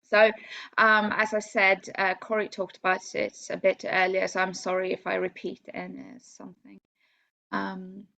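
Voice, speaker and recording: Creaky-voiced woman presenting. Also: medium pitch, a bit bright. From Norway. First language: Norwegian. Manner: halting, repeats words as she explains. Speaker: English teacher presenting at a conference. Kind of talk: conference presentation, semi-spontaneous.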